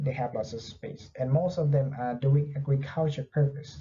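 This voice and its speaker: A man with a fairly high pitch speaks in a dark, mellow, somewhat breathy tone with ordinary pitch variation. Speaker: teacher. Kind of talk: online lecture. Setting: recorded online class alone.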